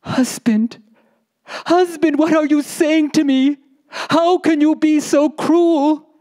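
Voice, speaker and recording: A poor desert wife, anxious and insistent, as a woman storyteller puts her on. Her voice climbs high and pleading, stressing each plea slowly. She keeps calling out to her husband with mounting urgency. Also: fairly even intonation, mellow. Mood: hurt. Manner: pleading, repeating "husband" with rising intensity.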